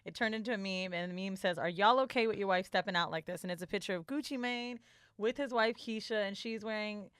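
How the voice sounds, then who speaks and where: Woman podcast cohost talking quick, blunt and slangy, curses a bit, dry close sound. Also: mid-range voice, a bit bright, dry recording. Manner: blunt, opinionated. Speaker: podcast co-host. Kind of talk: casual chat with slang and swearing. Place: podcast studio.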